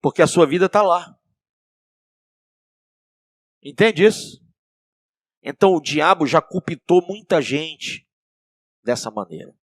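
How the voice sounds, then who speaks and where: Man, Brazilian pastor, sermon, rhetorical questions, soft to loud swings, dry sound. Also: fairly high pitch, lively intonation, slow pace, long pauses, no echo. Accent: Brazilian Portuguese.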